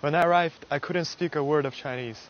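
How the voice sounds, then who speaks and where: A young man from Russia, a university student, giving an earnest, measured prepared speech to camera on a lapel mic, outdoors on a garden stage at night. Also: fairly high pitch, dull audio, a little hiss or hum. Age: young adult.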